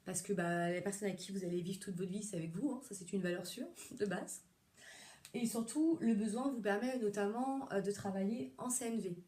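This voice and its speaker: Middle-aged woman, therapist explaining things off the cuff, warm mellow tone, lots of hesitations. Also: medium pitch, a little fast. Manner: chatty, rambling, many fillers and restarts. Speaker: psychotherapist. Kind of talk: casual monologue.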